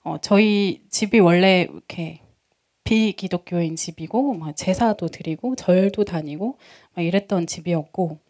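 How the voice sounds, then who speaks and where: A woman pastor in her thirties preaching a testimony sermon, telling stories in a lively way, acting out the voices of friends and laughing often. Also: on the low side, a little slow.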